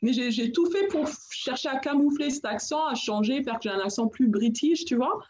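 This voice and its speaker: A French woman hosts a live chat show, talking in a lively, encouraging way and slipping in English phrases. Her voice sits fairly high. The audio is muffled, like a live stream. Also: normal speed. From France. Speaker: host.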